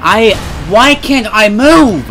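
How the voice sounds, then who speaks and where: A man's voice: sits high, lively intonation, takes it slowly, music in the background. A man reacting live while playing a video game, exasperated and prone to swearing.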